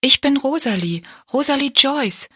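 Young storybook heroine, earnest and courteous, pitched high, played by a woman. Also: animated, unhurried, sharp tone, exaggerated voice. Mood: polite, pleading. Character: earnest, polite young girl, eager and easily disappointed. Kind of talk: storybook narration.

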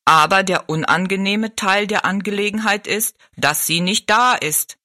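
A woman voicing a dignified, courteous giant man in a storybook, with formal, drawn-out speech. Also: mid-range voice, sharp tone, no echo, clean studio sound, natural voice. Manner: stately, formal, drawn-out delivery. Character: dignified, courteous, slow-spoken giant man of a fairground show. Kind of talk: storybook narration.

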